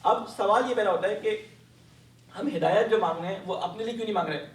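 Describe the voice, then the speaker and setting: A man's voice: sits high, recorded from a distance. A man teaching a Quran lesson, patiently explaining and asking his listeners questions. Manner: patient, asks the class questions and answers them. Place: mosque hall. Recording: echoey hall, voice from off-mic.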